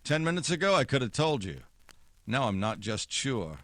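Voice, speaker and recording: An actor playing a tough, wisecracking private detective in a 1940s-style radio noir drama, with slangy, wry delivery. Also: male voice, mid-range voice, very animated, normal speed, fairly bright tone, no room sound. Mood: sardonic. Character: hard-boiled, wisecracking male private detective narrating his case. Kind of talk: 1940s radio noir acting, first-person narration.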